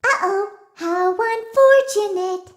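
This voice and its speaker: A woman's voice: extremely high pitch, takes it slowly, echoey room. A woman voicing a small, cheeky, cutesy animatronic performer in a video game, playful and bragging. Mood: gleeful taunting song. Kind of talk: video game character voice lines.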